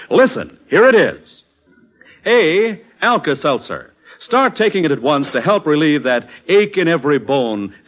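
A man announcing a 1940s radio commercial with polished, emphatic salesmanship. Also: a little high. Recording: muffled 1940s radio broadcast.

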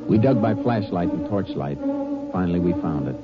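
An actor playing a tough, steady Texas Ranger who tells his case tersely in a 1950s radio drama. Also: sits low, moderate pace. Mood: grim, suspenseful. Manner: terse, clipped storytelling. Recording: vintage radio recording, dull, music behind.

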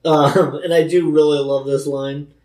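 A man's voice: fairly high pitch, little pitch movement, measured pace, a little mellow, reverberant, rough recording. A man co-hosting a casual book discussion, loose and enthusiastic, saying "like" often. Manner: loose, enthusiastic, heavy use of "like". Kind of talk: casual chat.

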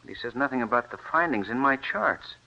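A driven wheat scientist. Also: male voice, medium pitch, a little fast, creaky. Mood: determined. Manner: driven, persuasive, animated. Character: determined wheat scientist husband, middle-aged man. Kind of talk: 1940s radio acting. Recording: dull lo-fi old radio recording.

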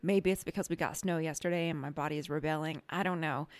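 A woman hosting a casual podcast, chatty and laughing often, her voice a little hoarse this morning. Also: deep voice, steady tone, fast, dry recording. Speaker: podcast host, energy healer.

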